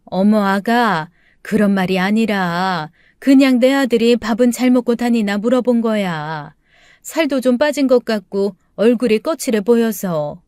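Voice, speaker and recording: A woman playing a gentle, worried middle-aged mother in a spoken story. Her voice is soft and coaxing, smooth and clear, and recorded dry and close. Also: a little high, a little slow, no room sound, natural voice.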